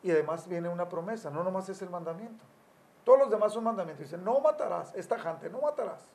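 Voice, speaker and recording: A man's voice: high voice, fast, darkish tone. A man in his sixties, a family counselor, giving Christian teaching on parenting in a storytelling way. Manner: storytelling, acts out quotes with raised voice.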